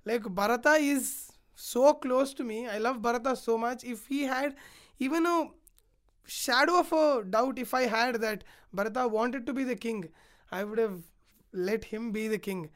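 A woman's voice: fairly high pitch, normal speed, close to an everyday voice. A woman voicing an earnest young prince.

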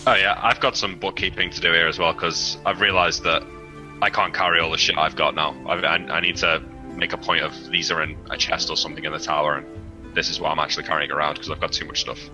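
A man's voice: rumbling low, flat delivery, quick pace, muffled recording, over music. A British man playing in a livestreamed tabletop game, chatting casually, swearing freely and stumbling over his words. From United Kingdom. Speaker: player.

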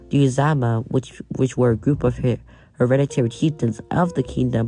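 A man's voice: medium pitch, warm tone. A young man from Nigeria with an American accent, reading a scripted history podcast as its host and stumbling over some names. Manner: reads from a script with frequent restarts on names.

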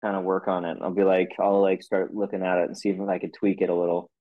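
A man's voice: sits low, level tone, quick pace, phone-quality sound. A man talking in a casual podcast chat, rambling and joking with a chuckle.

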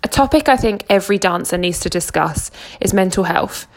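Gravelly-voiced English woman from Essex. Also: medium pitch, animated, a little fast. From Essex, England. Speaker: podcast host. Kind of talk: scripted solo podcast intro.

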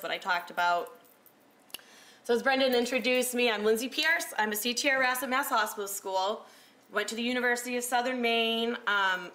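A woman in her thirties giving a casual talk as a recreational therapist, loud-voiced and chatty with lots of fillers. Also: a little high. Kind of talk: casual talk to a small audience. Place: room with a presentation screen.

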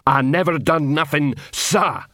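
A hulking, slow-witted troll guard, as a man performs him, shouting every answer at full tilt. The voice is strained high and loud, grammar broken and proud. Close, dry reading. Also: lively intonation, no echo, natural voice. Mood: eager, bellowing. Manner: barking, shouted, simple grammar. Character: big dim loud male troll guard.

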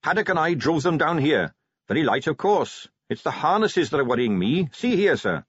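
A man's voice: fairly high pitch, very animated, moderate pace, fairly bright tone, breathy edge, dry recording, pitched above the performer's own voice, exaggerated voice. A man voicing an earnest, polite young male watch captain who answers eagerly and respectfully in an audiobook reading. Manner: eager, respectful, keeps saying sir. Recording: dry, slightly dull lo-fi sound.

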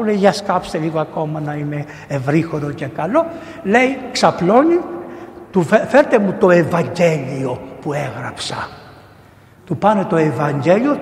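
A middle-aged man, a priest, giving a sermon that retells saints' stories and acts out the people in them. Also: fairly high pitch. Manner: animated storytelling, acts out voices of the people in the story. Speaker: priest and missionary preacher. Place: large church. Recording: echoey church with long reverb.

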